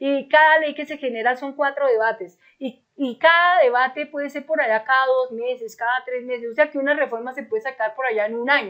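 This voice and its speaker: A woman talks at a fairly quick pace with hardly any pauses. Her pitch is high, with ordinary variation. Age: 60s. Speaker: online computer course teacher. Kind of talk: tutorial video outro, personal appeal. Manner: conversational, repetitive.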